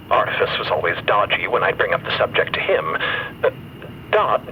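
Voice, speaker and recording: Guy playing earnest polite crewman in a fiction podcast, bright voice, very up n down, hesitant. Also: medium pitch, a little hiss or hum, poor audio. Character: politely curious, earnest, troubled male crew member. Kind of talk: audio fiction character dialogue.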